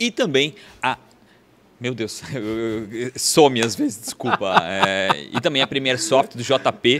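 A man at a fairly slow pace, with ordinary pitch variation and light background noise. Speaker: podcast creator, angel investor. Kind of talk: casual interview. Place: studio. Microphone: studio mic.

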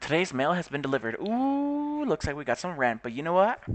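Animated in tone, a man with a fairly high pitch talks at a fairly quick pace, his voice making very wide pitch swings. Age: 20s. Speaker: gaming YouTuber. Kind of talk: let's play gameplay commentary.

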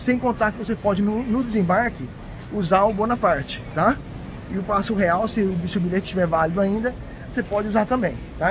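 A man's high voice moves at a medium speed with normal pitch movement while clear background noise carries on. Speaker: travel credit card vlogger. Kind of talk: casual vlog chat. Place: station. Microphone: phone near.

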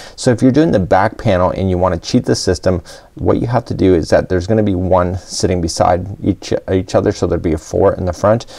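Speaking at a very fast pace, this man has a very deep, low voice with a dark, mellow tone. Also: ordinary pitch variation, quiet background. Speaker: crochet instructor. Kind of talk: tutorial. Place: studio.

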